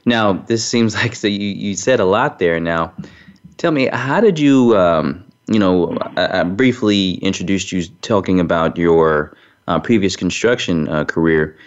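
Very deep-voiced male host. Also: lively intonation. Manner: halting, frequent um and you know. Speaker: show host. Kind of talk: interview hosting. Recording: dull lo-fi recording.

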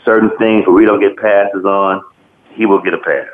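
A man in his fifties co-hosting a sports radio talk show, blunt and halting, repeating his words. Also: lowish voice, fairly even intonation, a little hiss or hum. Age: 50s. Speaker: co-host. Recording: tinny phone line.

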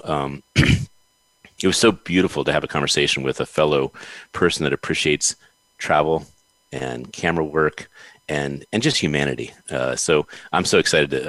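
A man with a very low, deep voice hosts an interview show. He talks in an effusive, appreciative way and giggles often. His voice is dry and close, with no room echo. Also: a bit bright. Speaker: podcast host. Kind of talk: interview conversation.

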